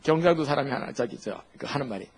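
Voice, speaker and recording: A male pastor preaching a sermon in an animated, humorous way, full of rhetorical questions. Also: mid-range voice, fast, husky.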